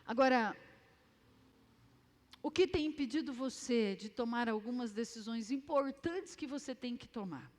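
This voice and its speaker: High-voiced Brazilian woman preaching. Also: unhurried. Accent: Brazilian Portuguese. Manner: animated, acts out scenes and quizzes the crowd. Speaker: youth preacher. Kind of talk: lively sermon. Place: church hall.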